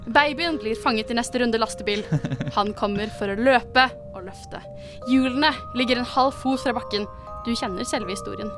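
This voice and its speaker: A woman reading the part of a calm doctor, stumbling over medical terms. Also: fairly high pitch, lightly acted. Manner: plain read-aloud, stumbling on medical terms.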